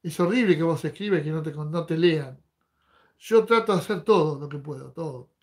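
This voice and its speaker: A man's voice: on the high side, a little fast, darkish tone. A middle-aged man with an Argentine accent, chatting casually on a fishing livestream and reading viewers' comments aloud with jokes. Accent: Rioplatense Argentine Spanish.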